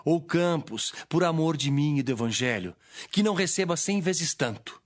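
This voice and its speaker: A man playing Jesus as a solemn, authoritative teacher with measured, declamatory delivery in an audio Bible drama. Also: a little high, animated, lightly acted. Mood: earnest, solemn.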